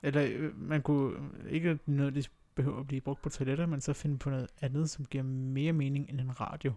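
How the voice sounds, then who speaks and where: Speaking at a moderate pace with hardly any pauses, a man uses a fairly high pitch, a dark, mellow tone and monotone, flat intonation. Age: 20s. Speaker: podcast co-host and scout leader. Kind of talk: casual chat.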